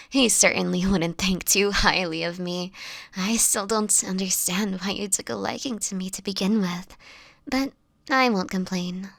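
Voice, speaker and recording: A woman acts out a sickly, world-weary vampire woman for an intimate audio drama. She speaks at a very unhurried pace, hushed and breathy, with slightly formal old-fashioned wording. Her tone is gentle and protective, and the sound is dry and close. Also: medium pitch, dry recording. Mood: wry, fond. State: sickly, frail, with coughs.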